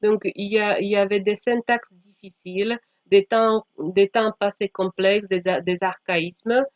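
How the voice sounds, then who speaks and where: A woman from Slovakia, a non-native speaker whose first language is Slovak, giving an academic presentation in a halting way with frequent self-corrections. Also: medium pitch, fairly even intonation, dry recording. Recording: dull lo-fi microphone sound.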